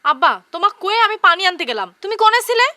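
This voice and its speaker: A quick-talking village daughter. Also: female voice, very high voice, big pitch swings, pushed and bright, full character voice. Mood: worried. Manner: coaxing, pleading. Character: young village daughter, peacemaker between her parents. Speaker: daughter in a TV serial. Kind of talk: TV drama acting. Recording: background music under the dialogue. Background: music.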